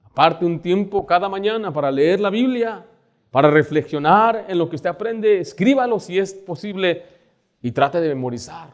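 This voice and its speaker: A man's voice: sits high, lively intonation, moderate pace. A middle-aged man preaching a sermon in a church as pastor, quoting scripture and dropping to a near whisper. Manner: preaching with sudden loud-soft shifts, dropping to near whisper; quotes scripture and acts out worried voices.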